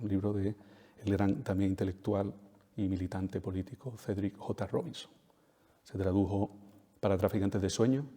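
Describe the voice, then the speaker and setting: Lowish and mellow, the voice belongs to a native Spanish speaker lecturing an audience at a talk. He repeats key phrases for emphasis and checks in with tag questions, and the hall around him is reverberant.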